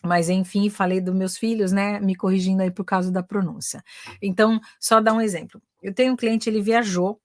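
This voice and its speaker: A woman's voice: medium pitch, fairly even intonation, brisk, no room sound. Brazilian lady teaching english on a live, mixes portuguese and english, chatty asides, dry close sound. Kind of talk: live online class.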